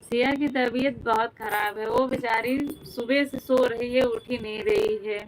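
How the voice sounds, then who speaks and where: A woman's voice: on the high side, fairly even intonation, unhurried, slight background noise, poor audio. A young Indian woman, hosting a casual live stream on her phone, reading out viewer comments, greeting viewers as brother and sister, and laughing often.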